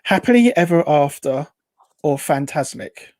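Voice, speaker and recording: A man's voice: on the high side, lively intonation, unhurried, a little mellow, no room sound. Guy hosting a chatty interview, bit rambly, says his r's like w, dry close sound. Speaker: host. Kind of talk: casual interview chat.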